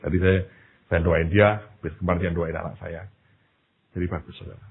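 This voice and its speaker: Very husky pastor preaching. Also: male voice, low voice, normal speed. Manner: animated storytelling, addresses the congregation directly. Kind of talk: sermon. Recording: tinny, phone-like lo-fi sermon recording.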